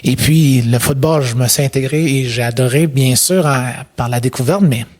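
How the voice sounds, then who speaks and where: Québécois man, 30s, interview guest, mid-pitched, reflective and hesitant. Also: moderate pace, a little mellow. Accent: Québécois French. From Quebec. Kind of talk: personal storytelling in an interview.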